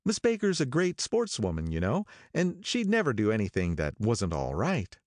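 Male reader doing a smooth, eager young charmer, a bit raised in pitch, audiobook. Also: huge pitch swings, moderate pace, no room sound, clean studio sound.

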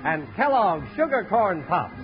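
A man's voice: high voice, sing-song, a little slow. An American man announcing in old-time radio style, reading scripted credits and sponsor plugs. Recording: dull vintage radio broadcast, music behind. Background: music.

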